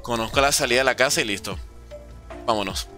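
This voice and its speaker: With a mid-range voice that comes across pushed and bright, a nineteen-year-old streamer from Venezuela answers chat questions quickly and sarcastically in casual commentary. Faint music sits behind him.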